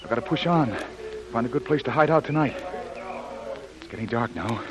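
Jungle Jim, a man acting, steady and tough. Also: medium pitch, a little fast, a crowd in the background, close to an everyday voice. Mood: determined. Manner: steady, reassuring, talking to himself. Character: rugged adult male jungle adventurer. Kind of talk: 1930s radio drama acting.

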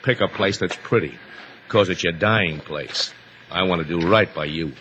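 An actor playing a greedy, mocking American gangster killer, menacing, in a vintage radio crime drama. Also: male voice, deep voice, normal speed, a bit bright. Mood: cold menace. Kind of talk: 1950s radio drama acting. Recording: noisy vintage 1950s radio recording.

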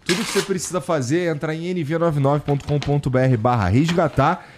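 A man's voice: on the high side, fast, slight background noise. Informal Brazilian man hosting a podcast. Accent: Brazilian Portuguese. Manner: informal, slangy. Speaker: podcast host. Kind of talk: casual chat.

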